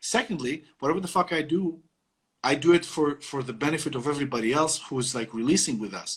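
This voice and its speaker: Somewhat breathy, a man speaks at a very fast pace with a fairly high pitch and ordinary pitch variation. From Greece. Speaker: podcast co-host, music label owner. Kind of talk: casual chat, rant. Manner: animated.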